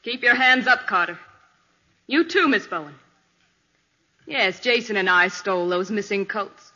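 Female villain: commanding thief, animated, imperious delivery, dull vintage radio sound. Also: mid-range voice, measured pace, long reverb tail. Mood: menacing, commanding. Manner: imperious, menacing. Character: cold, commanding female thief holding a gun. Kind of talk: 1940s radio villain acting.

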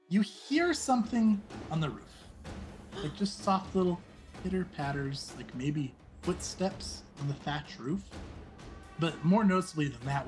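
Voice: mid-range voice, darkish tone. A game master narrating a tabletop role-playing game in a descriptive, amused way.

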